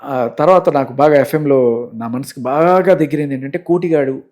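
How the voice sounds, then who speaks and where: Man, thirties, radio jockey guest, soft-spoken, anecdotal, middle pitch. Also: normal speed. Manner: soft-spoken, anecdotal, mixes in English words. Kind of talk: casual interview.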